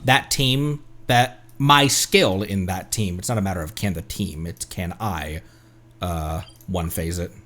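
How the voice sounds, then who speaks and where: A man's voice: sits low, unhurried, pushed and bright, slight background noise. A man streaming a game, rambling casually and thinking aloud to his viewers. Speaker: streamer, VTuber host. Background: music.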